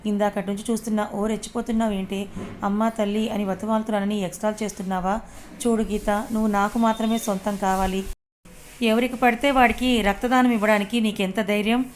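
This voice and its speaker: A woman voicing an obsessive, menacing young male college student in a read-aloud story, his lines slow and leering or fast and angry. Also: medium pitch, fairly even intonation, slight background noise, lightly acted.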